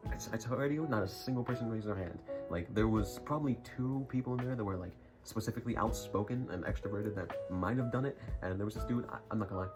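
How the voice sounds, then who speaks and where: Fast-talking young man, low voice. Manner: rambling, jokey, self-mocking asides. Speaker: YouTuber. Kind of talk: casual storytelling vlog. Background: music.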